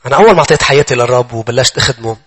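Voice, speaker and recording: A man's voice: medium pitch, racing, breathy edge. A man preaching a sermon with a Lebanese accent, emphatic and urgent as he addresses his congregation. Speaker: pastor.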